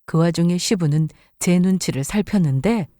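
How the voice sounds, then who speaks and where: A woman's voice: fairly low pitch, moderate pace, warm tone, no room sound, clean studio sound. A woman narrating a first-person story for a story radio channel, voicing her own lines expressively.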